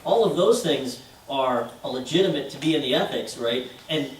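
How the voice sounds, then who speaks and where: A man leads a council meeting, halting now and then on fillers and tagging points with a quick question. His voice sits mid-range and comes from some way off the mic, in a roomy chamber. A faint hiss runs under it. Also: medium pitch, lively intonation, recorded from a distance. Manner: hesitant, many fillers, seeks agreement with "right?". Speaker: council chair leading the meeting. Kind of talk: meeting discussion.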